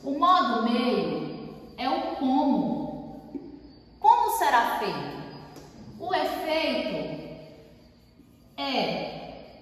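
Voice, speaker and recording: A Brazilian woman teaches a writing lesson, asking questions and then answering them in a clear, didactic way. Her voice sits a little high. The recording rings with long reverb, and she sounds some distance from the mic. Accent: Brazilian Portuguese. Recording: echoey room, voice far from mic.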